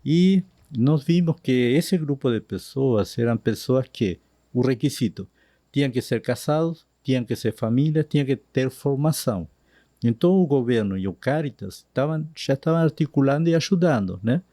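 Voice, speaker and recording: A man's voice: medium pitch, no echo. A man from Argentina, a Spanish native speaker, telling his story as a missionary guest in a podcast interview in Portuguese with an Argentine accent, drifting into Spanish words. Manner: slow, animated retelling with Spanish words slipping in.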